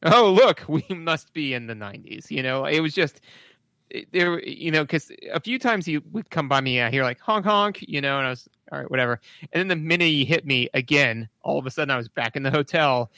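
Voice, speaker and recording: A man co-hosting a podcast, sarcastic and jokey in casual chat, sometimes jumping into a high silly voice to act out lines. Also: animated, fairly quick, sharp tone, no echo. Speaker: podcast co-host. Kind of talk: casual chat about a video game.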